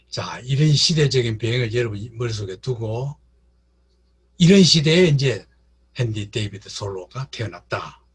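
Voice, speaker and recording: A man delivers a literature lecture in a rough, husky voice at a middle pitch. He keeps repeating key words and speaks directly to the people in the room. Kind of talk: classroom lecture.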